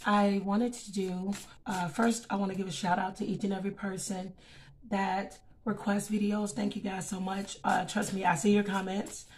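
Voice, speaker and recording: A woman with a scratchy voice talks through a tarot reading in a loose, chatty way, at a middle pitch. She leans on fillers and checks in with her listeners as she goes. A faint hiss sits under her voice. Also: flat delivery, moderate pace, a little mellow. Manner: chatty, frequent um and okay. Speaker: tarot reader. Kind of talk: casual tarot reading to camera.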